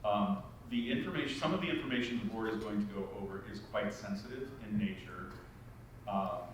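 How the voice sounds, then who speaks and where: A man with a fairly low voice briefs a meeting informally and carefully, restating his points. He is recorded from a distance in a heavily reverberant room, with clear background noise. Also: a little fast. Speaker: board meeting speaker. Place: large echoey meeting room. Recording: very echoey room, distant mic, noisy.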